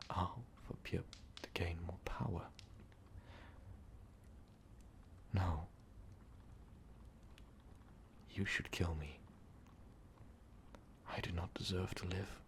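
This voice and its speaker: Anguish and disbelief color this man's ASMR monologue as a tormented vampire overlord, once ruthless, now in love and regretful. His whispery, gravelly low voice moves slowly and haltingly through formal, confessional lines aimed at the listener, with a little noise behind him.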